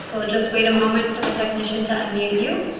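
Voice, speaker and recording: A woman moderating a live question session, polite and brisk as she hands over between teams. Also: a little high, completely flat delivery. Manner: brisk, polite, scripted transitions. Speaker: event moderator. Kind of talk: hosting a live Q&A. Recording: echoey hall from far off, noisy stream.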